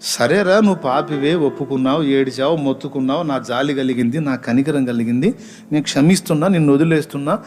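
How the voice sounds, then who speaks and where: A man's voice: mid-range voice, fairly quick, darkish tone, close to an everyday voice. A preacher voicing a patient, forgiving divine father figure who speaks firmly and brushes off protest. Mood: reassuring.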